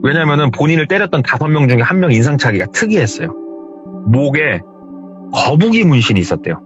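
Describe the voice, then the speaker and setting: Male storyteller, animated telling of a horror tale, muffled lo-fi recording. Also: on the high side, fast talker, over music. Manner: lively, retelling hearsay.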